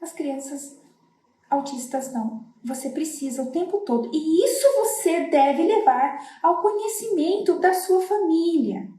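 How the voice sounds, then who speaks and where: A woman's voice: very high voice, lively intonation, measured pace, dark tone, reverberant. A middle-aged woman from Brazil, a floral therapist, talking earnestly to parents and explaining with many tag questions. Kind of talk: casual talk to parents.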